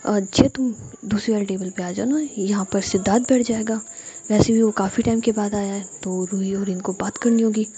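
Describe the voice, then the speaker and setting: A woman's voice: medium pitch, fairly even intonation, a little fast, warm tone, natural voice. Woman voicing a polite, firm mother.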